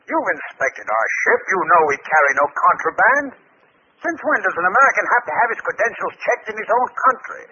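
An actor playing an impatient, hot-headed spaceman in 1950s radio drama style, excitable and emphatic. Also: high voice, fairly quick, slightly rough, exaggerated voice. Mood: indignant. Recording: noisy, muffled 1950s radio recording.

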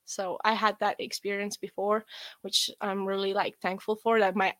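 A young woman with an Estonian accent, a guest athlete chatting in an interview, relaxed and rambling with many fillers. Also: mid-range voice, moderate pace, no echo. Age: young adult. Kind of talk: casual interview chat.

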